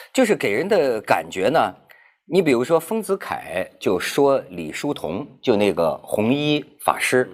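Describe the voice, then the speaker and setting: A man telling a story in a casual round-table talk, animated, with many restarts. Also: mid-range voice. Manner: animated storyteller, stammering restarts, laughs while talking.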